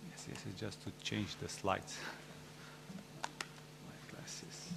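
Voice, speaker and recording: A man's voice: low-pitched, level tone, takes it slowly, gravelly, heavy background noise. A man moderating a conference, making brief formal announcements. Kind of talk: event moderation.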